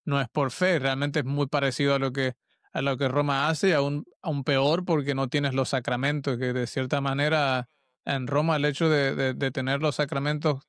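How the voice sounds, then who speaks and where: A man's voice: medium pitch, fairly even intonation, moderate pace, clean tone, no room sound, studio quality. A man hosting a podcast interview, reflective and stammering at the starts of thoughts. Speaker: podcast host. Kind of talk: conversational interview.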